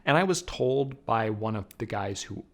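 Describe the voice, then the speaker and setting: A man's voice: lowish voice, animated, normal speed. A man narrating a scripted video review in a wry, conversational way, with emphatic asides and casual swearing. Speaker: film reviewer and video essayist.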